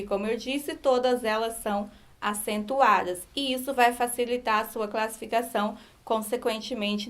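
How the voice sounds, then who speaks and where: Patient woman teacher, slightly high voice. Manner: patient, explanatory, checks in with "tá certo?". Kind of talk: recorded online grammar lesson.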